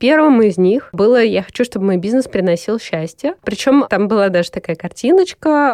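Over a quiet background, a woman talks fairly slowly in an unremarkable speaking voice. Her intonation is lively. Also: dry, close sound with no echo. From Moscow, Russia. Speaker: bakery business owner. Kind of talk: interview.

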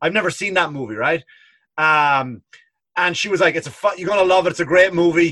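Speaking fairly quickly in an Irish accent, a man uses a high pitch, a bright, sharp tone and ordinary pitch variation. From Ireland. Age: 40s. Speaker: comedian and podcast co-host. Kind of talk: casual chat.

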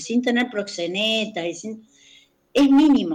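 Speaking at a fairly slow pace, a woman with a fairly high pitch has a normal speaking voice. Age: 60s. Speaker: dancer and choreographer. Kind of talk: interview.

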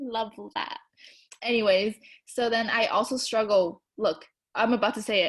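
At a moderate pace, a woman with a fairly high voice speaks with long, frequent pauses. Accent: Hong Kong. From Hong Kong. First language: Cantonese. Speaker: podcast host. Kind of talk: casual chat.

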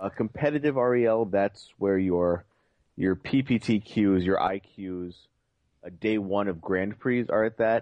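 This man has a plain, everyday voice, pitched fairly low, moving at a fairly slow pace with ordinary pitch variation. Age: 20s. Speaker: Magic tournament judge. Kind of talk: casual interview. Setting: online voice call.

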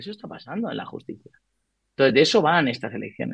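Speech races along at a very fast clip, its pitch swinging very widely. The sound is dry and close, with no echo. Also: man. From Colombia. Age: 30s. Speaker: lawyer running for bar association dean. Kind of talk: interview. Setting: livestream. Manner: formal.

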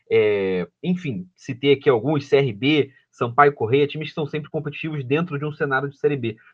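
Here a man speaks at a moderate pace. His pitch is fairly high, with ordinary variation. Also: hardly any pauses, big swings in loudness. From São Gonçalo, Rio de Janeiro, Brazil. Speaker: podcast host. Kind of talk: casual chat. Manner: halting.

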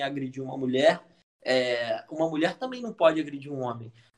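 A man with an ordinary speaking voice moves at a fairly quick pace, his intonation lively. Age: 20s. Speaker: actor. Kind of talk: casual chat. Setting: livestreamed podcast.

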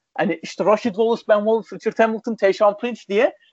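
This man has a high voice and speaks at a fairly quick pace. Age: 20s. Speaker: basketball editor and student. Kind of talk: casual chat.

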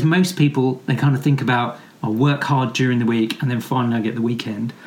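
Somewhat breathy and medium in pitch, a man speaks with hardly any pauses and ordinary pitch variation. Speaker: property investor. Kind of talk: interview.

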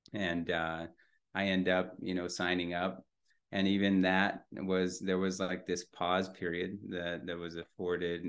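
In an American accent, a man speaks at a moderate pace with a very deep, low pitch and flat, monotone intonation. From South Texas. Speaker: Air Force veteran and ceremonial facilitator. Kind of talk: casual interview.

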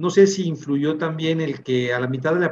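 A man with an unremarkable speaking voice talks in a fairly high pitch with ordinary pitch variation. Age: 30s. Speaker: lawyer and broadcaster. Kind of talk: casual chat.

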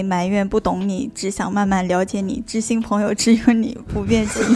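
Over noticeable background noise, a woman with a medium pitch talks at a moderate pace with ordinary pitch variation. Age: 20s. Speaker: first-time podcast guest. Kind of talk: casual chat.

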